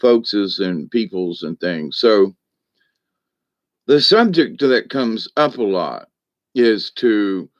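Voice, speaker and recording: A man's voice: on the low side, lively intonation, slow, long pauses, highs cut off. A man hosting a livestream as a shaman, talking in a folksy, meandering way with many asides to his viewers. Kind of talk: rambling spiritual talk to viewers.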